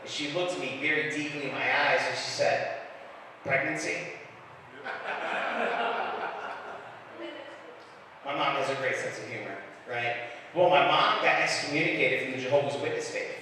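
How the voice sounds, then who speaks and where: A middle-aged man performing an animated stand-up routine, telling stories about his family. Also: mid-range voice, normal speed, long pauses, a little hiss or hum. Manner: animated storyteller, bursts into shouting impressions. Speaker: stand-up comedian. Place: comedy club stage. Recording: echoey club heard from far off.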